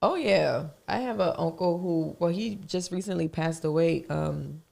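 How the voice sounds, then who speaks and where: A woman co-hosting a podcast in casual chat, her voice raspy from being under the weather, talking chattily and laughing often. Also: lowish voice, a little slow, darkish tone. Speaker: podcast co-host.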